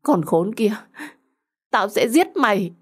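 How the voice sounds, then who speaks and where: A woman's voice: fairly low pitch, lively intonation, a little fast. A woman voicing a betrayed young woman in an audio story, pleading, agitated and urgent as she makes angry threats. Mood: furious, betrayed.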